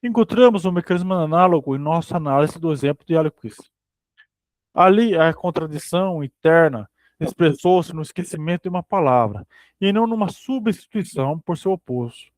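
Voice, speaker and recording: A man's voice: a little high, animated, normal speed, darkish tone, no echo. Man reading aloud. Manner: reads steadily, stumbling and rereading phrases. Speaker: reader in a philosophy study group.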